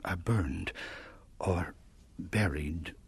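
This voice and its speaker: An actor playing a grieving, gentle gypsy father in a radio drama, speaking haltingly. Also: sits low, breathy edge, full character voice. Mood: tender, sorrowful. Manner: hesitant, halting.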